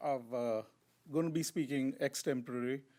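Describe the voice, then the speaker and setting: With a dark, mellow tone and a fairly high pitch, a man talks fairly quickly with ordinary pitch variation. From India. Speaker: public commenter, parent, tech worker. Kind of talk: public comment at board meeting. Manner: halting, many fillers.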